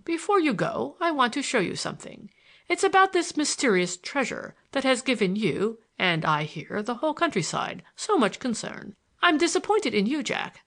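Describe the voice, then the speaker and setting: A woman's voice: a little high, a bit bright, pitched above the performer's own voice, heavily acted. A woman voicing a genial, sly old grandfather in an audiobook, teasing and grandly courteous. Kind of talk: audiobook character dialogue.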